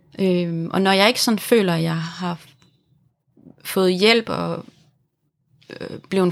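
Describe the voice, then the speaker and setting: Very clean audio with a silent background, carrying a woman at a medium pitch, varied in an ordinary way. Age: 30s. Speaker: patient with chronic illness. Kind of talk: personal interview. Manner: hesitant, many fillers.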